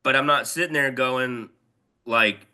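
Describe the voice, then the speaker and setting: A man's voice: medium pitch, unhurried, pushed and bright, smooth. A man with a Georgia Southern accent, chatting as a podcast co-host in a dry, self-deprecating way with some swearing. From Gwinnett County, Georgia, USA. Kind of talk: casual chat.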